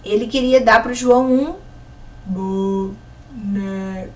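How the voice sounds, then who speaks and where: A woman with a Brazilian Portuguese accent giving a recorded lesson to educators, explaining classroom games clearly and with lively pitch swings. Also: normal speed. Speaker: teacher giving an online course.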